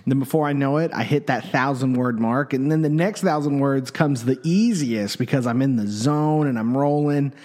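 A man's voice: mid-range voice, moderate pace, hardly any pauses, darkish tone. A man co-hosting a podcast in a loose, chatty way, speaking into a microphone in an echoey office room. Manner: loose, chatty, self-correcting talk. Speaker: podcast co-host. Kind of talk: casual podcast chat. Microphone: desk microphone.

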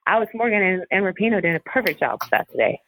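A woman's voice: medium pitch, sing-song, fast, a bit bright, no echo. A woman, a soccer coach and commentator, talking casually in an interview and rambling with many fillers. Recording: tinny phone line.

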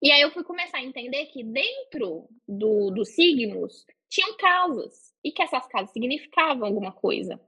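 A young woman, a guest, telling a personal story in a casual, animated interview. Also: high voice, normal speed, few pauses, husky, low-quality recording. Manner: animated, breathless retelling with gasps and laughter. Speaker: astrologer guest.

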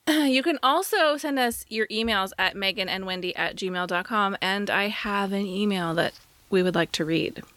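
A woman's voice: mid-range voice, normal speed, fairly bright tone, dry recording. A woman co-hosting a podcast in a casual, conversational and emphatic way. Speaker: podcast co-host. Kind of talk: casual chat, reading listener email aloud.

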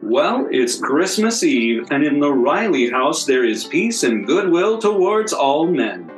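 With strong room echo and faint guitar music behind, a man narrates like an old-time radio announcer. His voice sits fairly high and moves with a lively melody. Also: takes it slowly.

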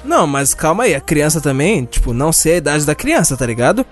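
A man's voice: a little high, sing-song, fast talker, soft background music. A man on a casual podcast, telling a childhood story in a rambling way with many fillers. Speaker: podcast co-host. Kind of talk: casual chat.

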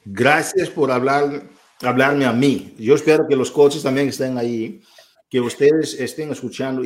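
Man, host, live-stream interview, encouraging, emphatic, mid-pitched voice. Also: a little mellow.

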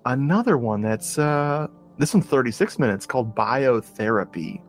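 A man's voice: mid-range voice, expressive, moderate pace, faint music behind. Rambling enthusiastic male podcast host. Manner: rambling, enthusiastic, frequent restarts. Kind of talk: casual chat about horror movies.

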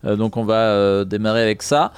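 Casting note: man co-hosting a campus radio hip-hop show, relaxed and hesitant, lots of fillers, studio mic. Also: on the low side, brisk, smooth. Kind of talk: casual radio chat.

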